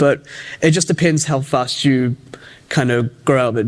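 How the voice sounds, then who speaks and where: A man speaks with a New Zealand accent and fairly even intonation over noticeable background noise. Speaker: voice actor giving a conference talk. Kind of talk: conference talk. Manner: casual, filler-heavy.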